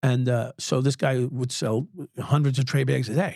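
In a very clean recording with a silent background and a dry, close sound with no echo, a man speaks at a medium pitch, somewhat breathy, with fairly even intonation. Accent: New York. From Long Island, New York. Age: 60s. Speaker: former police officer. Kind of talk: interview storytelling.

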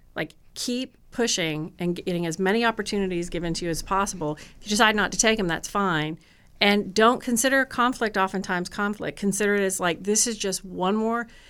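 A woman's ordinary speaking voice with an American accent, medium in pitch, at a fairly quick pace with hardly any pauses and ordinary pitch variation, on a very clean recording with a silent background. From Georgia, US South. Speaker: sales executive in media. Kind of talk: interview. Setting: studio.

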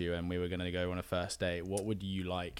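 A man talks at a very fast pace with an English accent. His pitch is very deep and low. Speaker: guest, visiting the US, partner of the host. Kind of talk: casual chat.

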